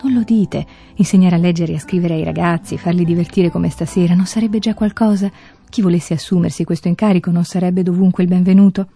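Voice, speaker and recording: A woman's voice: fairly low pitch, fairly even intonation, quick pace, husky, no room sound. A woman reading as a kind, firm farm mistress. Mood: persuasive. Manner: gentle, persuasive, cheerful.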